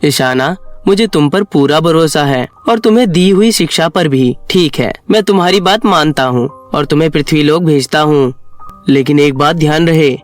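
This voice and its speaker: A man's voice: on the high side, moderate pace, soft background music, natural voice. Fatherly serpent king, played by a man. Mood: grave, trusting. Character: ailing serpent king, fatherly, dutiful, cautioning.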